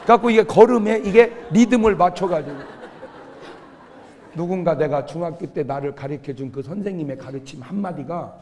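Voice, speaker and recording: A male pastor with a fairly high voice delivers a humorous revival sermon at normal speed, telling lively stories and acting out the quotes. A little hiss or hum sits under the long reverb of a church hall.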